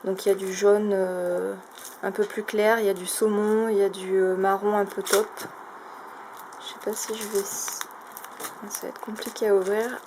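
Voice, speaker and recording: A woman's voice: medium pitch, little pitch movement, a little slow. A woman casually showing a craft shopping haul, talking in a chatty, hesitant way with many fillers. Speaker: craft vlogger. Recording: noisy home recording.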